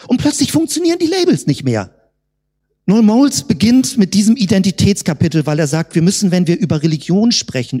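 Woman preacher, sermon delivery, slightly husky, heavy hall reverb. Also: low-pitched, dark tone. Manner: rhetorical questions, slowed emphatic words.

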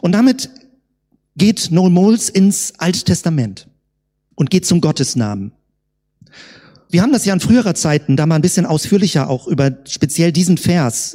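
Woman preacher, sermon delivery, slightly husky, heavy hall reverb. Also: deep voice, mellow. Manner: rhetorical questions, slowed emphatic words.

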